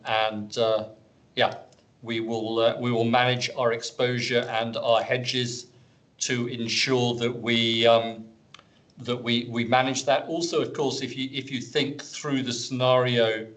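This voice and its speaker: A man speaking as a company executive, giving measured, corporate answers on an earnings call. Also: medium pitch, fairly bright tone.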